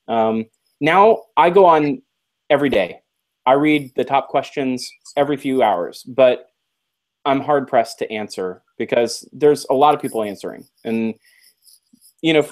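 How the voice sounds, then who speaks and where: A man's voice: mid-range voice, lively intonation, moderate pace. A man on a casual live podcast, talking earnestly about his experience and teasing the others. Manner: earnest, reflective, teasing asides.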